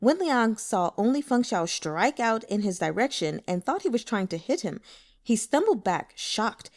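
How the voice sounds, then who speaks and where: A woman reading scripted fiction aloud as an expressive audiobook narrator. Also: fairly high pitch, normal speed.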